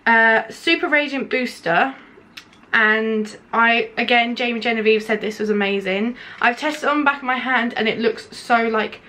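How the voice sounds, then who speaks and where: A young beauty vlogger chats through a casual makeup review while applying products at home, a window open and slight noise in the background. Her voice is a little high, pushed and bright, at normal speed, though nasal and stuffy with a hay-fever sore throat. She rambles on, sprinkling in plenty of "like"s.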